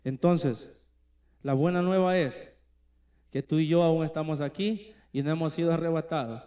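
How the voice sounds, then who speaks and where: A man preaching a sermon as a church elder, earnest, stretching key phrases slowly and sinking to a hush for emphasis. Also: fairly high pitch.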